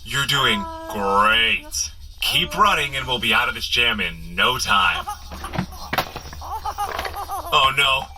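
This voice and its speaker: A man's voice: mid-range voice, expressive, takes it slowly, pauses often. A man playing a flustered, wisecracking superhero who rambles sheepishly as he coaches a runner in a comedic audio drama. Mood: encouraging. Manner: rambling, sheepish, nervously joking asides. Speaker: character guide in an audio running adventure.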